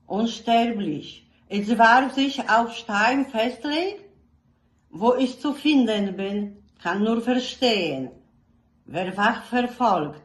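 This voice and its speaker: Slow-paced woman reciting poetry, echoey room. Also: medium pitch. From Poland. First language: Polish. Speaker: poetry reader, fan club representative.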